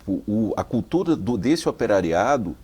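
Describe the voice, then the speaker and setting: A man from Salvador with a Bahian accent, a researcher answering interview questions in a measured, explanatory way. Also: fairly low pitch, very animated, a little mellow, slightly rough. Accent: Bahian Portuguese. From Salvador, Bahia, Brazil.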